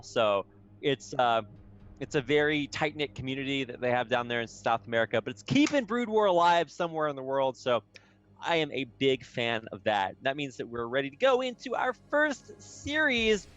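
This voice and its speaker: A man's voice: medium pitch, big pitch swings, moderate pace, fairly bright tone, muffled recording. A man casting an esports match live, chatty and upbeat, with many casual fillers. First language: English, with Spanish as second language. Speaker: esports caster. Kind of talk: live game commentary.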